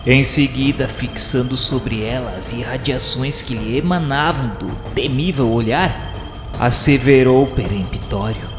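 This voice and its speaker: In an unhurried, mid-range voice, a man reads a radio novela script with solemn, theatrical delivery and literary phrasing. The recording is echoey with long reverb, and clear background music plays beneath.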